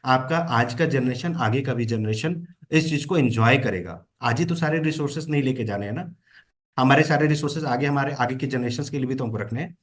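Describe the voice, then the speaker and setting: A man's voice: medium pitch, brisk. A man giving a motivational talk as a trainer, mixing English phrases into Hindi and often checking in with "है ना?". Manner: coaching, with frequent "है ना?" check-ins.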